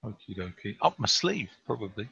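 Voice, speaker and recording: A man's voice: lowish voice, big pitch swings, a little fast, gravelly, bright, forceful tone, husky. A man playing a tabletop game, joking and stammering, on a dull lo-fi microphone. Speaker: player. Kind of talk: casual tabletop play.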